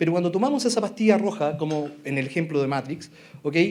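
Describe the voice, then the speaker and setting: A man's dark, mellow tone with audible room echo. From Chile. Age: 40s. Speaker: architect and software consultant. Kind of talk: conference presentation. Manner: fast.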